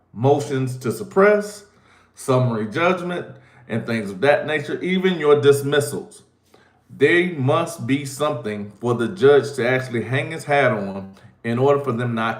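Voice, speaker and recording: A man with a stuffed-up nose who hosts a legal commentary show, talking viewers through court rules in an easygoing way and slowing down on the key phrases. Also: medium pitch, echoey room. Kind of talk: explanatory legal talk to camera.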